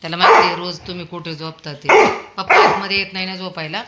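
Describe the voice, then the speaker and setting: A woman's voice: fairly low pitch, fairly even intonation, quick pace. Fond, scolding woman in a noisy home video. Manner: fond, scolding and coaxing a child and a dog. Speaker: dog owner filming at home. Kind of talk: casual home video chat. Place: home indoors with a fan. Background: fan noise and a dog.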